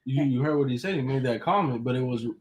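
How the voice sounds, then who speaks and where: A man co-hosts a live relationship advice stream in laid-back casual chat. He talks in halting runs with plenty of fillers, greeting viewers by name, at an ordinary mid pitch. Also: poor audio.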